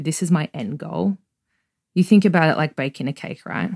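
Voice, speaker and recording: A woman with an Australian accent has a very deep, low pitch and a warm tone, recorded very cleanly against a silent background with a dry, close sound and no echo. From Australia, outskirts of Sydney. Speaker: podcast host, spirituality and healing. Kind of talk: solo monologue, reflective introduction to a spirituality podcast. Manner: warm, reflective, filler-heavy.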